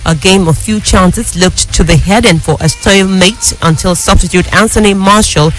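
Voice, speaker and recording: A woman with a Nigerian accent reads scripted radio news as an anchor, in a formal, measured way. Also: mid-range voice, faint music behind. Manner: formal, measured newsreader delivery.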